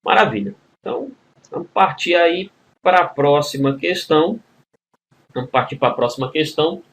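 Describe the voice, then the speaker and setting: Brazilian man teaching grammar, slightly high voice. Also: expressive, moderate pace, fairly bright tone, slight background noise. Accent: Brazilian Portuguese. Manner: explains step by step, with constant tag questions; addresses students as a group. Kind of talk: recorded exam-prep video lesson.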